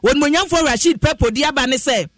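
A man's voice: very high-pitched, rapid-fire, fairly bright tone, no room sound, studio quality. A Ghanaian man reporting the news on radio with a chanting, sing-song cadence.

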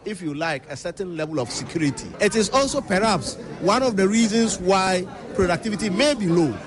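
A man explaining a point like an academic in an interview. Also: high voice. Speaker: business school dean. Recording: busy outdoor crowd noise.

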